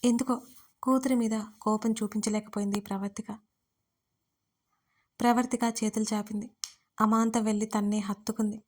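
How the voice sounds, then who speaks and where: A woman narrating a family drama audiobook as scripted storytelling, reading in a gentle, even manner. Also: medium pitch, normal speed, long pauses.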